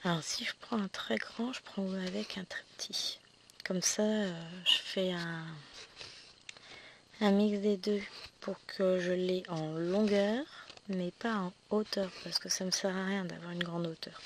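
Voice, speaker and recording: A woman with a slightly hoarse morning voice talks casually to her viewers while she works, often dropping into a near-whisper. Steady background noise sits clearly behind her. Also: mid-range voice, a little slow. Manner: chatty, self-correcting, often drops to a whisper. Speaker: cross-stitch vlogger. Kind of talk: casual chat while stitching.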